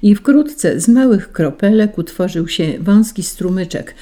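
A woman reading a children's story aloud in a gentle, measured way. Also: medium pitch, animated.

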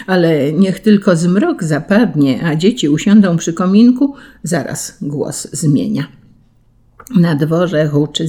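Dark husky storybook narrator. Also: medium pitch. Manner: gentle, expressive storytelling. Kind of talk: storybook reading.

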